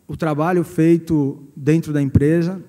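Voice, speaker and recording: This is a middle-aged man with a Brazilian accent, addressing an audience about his working life. His voice sits a little high for a man yet has a mellow, unforced tone. He feels his way through sentences, often repeating small words. The sound carries the long reverb of a big hall. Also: steady tone, measured pace. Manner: hesitant, repeating words as he searches. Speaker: company president giving a guest lecture. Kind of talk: personal career talk to an audience. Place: large hall at a university event.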